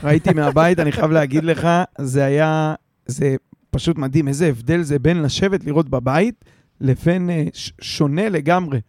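A man's voice: on the high side, a little mellow, no room sound, clean studio sound. A man on a podcast panel in casual football fan banter, joking and retelling what others said.

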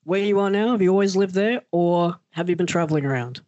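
A man's voice: high-pitched, fast, darkish tone, dry recording, muffled recording. A man hosting a casual podcast interview, friendly, piling up several questions at once. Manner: friendly, asks stacked questions, says man and yeah a lot. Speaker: podcast host.

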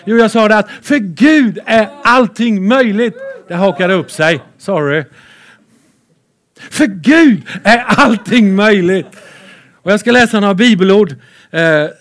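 A man preaching a lively sermon with Bible readings, excitable and playful, swinging between loud and soft. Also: high-pitched.

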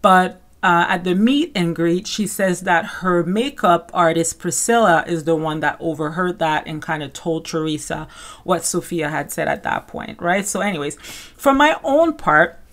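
A woman's voice: fairly low pitch, normal speed, a bit bright. A woman with a Caribbean French accent hosting a podcast, giving casual, conversational gossip commentary. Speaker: podcast host.

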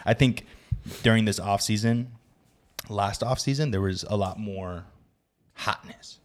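A man's voice: lowish voice, unhurried. A man hosting a sports podcast with casual, joking, irreverent banter. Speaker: podcast host.

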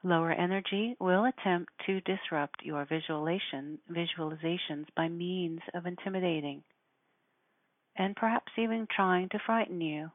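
A woman speaking in a measured, deliberate way, giving spiritual instruction and guided meditation. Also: fairly low pitch, no room sound. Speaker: spiritual teacher guiding listeners. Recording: narrow phone-like sound.

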